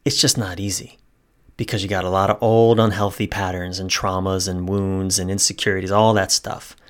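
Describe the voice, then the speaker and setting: A man's voice: deep voice, little pitch movement, moderate pace. Earnest, emphatic male relationship coach. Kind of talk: casual talk, personal story.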